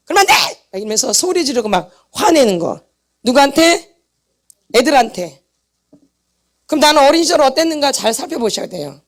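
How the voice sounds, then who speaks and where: A pastor's wife with a high voice leads a healing seminar in a church meeting hall. She drives home every point by repeating it emphatically, tossing brief questions to the audience and then giving the answers herself.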